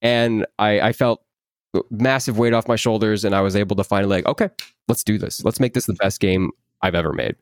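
A man in his twenties, a voice actor, chatting in an interview, animated and repeating words as he acts out quotes. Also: on the low side, a little fast, no room sound, clean studio sound. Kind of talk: casual interview chat.

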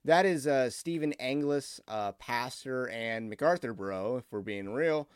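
A man giving informal opinion commentary as a channel host, speaking in a halting, hesitant way. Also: mid-range voice, clean tone, no echo, clean studio sound.

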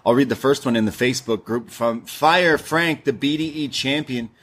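A man's voice: mid-range voice, moderate pace, a bit bright. Laid-back man co-hosting a podcast. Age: 30s. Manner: laid-back, reads messages aloud, laughs easily. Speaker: podcast co-host. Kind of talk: casual podcast chat, reading listener mail.

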